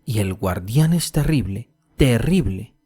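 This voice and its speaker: A man's voice: lowish voice, expressive, measured pace, warm tone, slightly rough, soft background music. A man voicing a pious little peasant girl who earnestly tells another child about God, angels and the end of the world. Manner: storytelling, mimics her mother tenderly.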